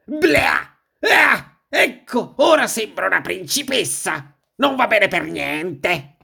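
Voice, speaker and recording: A woman's voice: medium pitch, very animated, slow, gravelly, bright, forceful tone, husky, voice pushed up, full character voice. A woman voicing a vain, grumpy big black wolf in a children's storybook, exclaiming in dismay. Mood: shrieking.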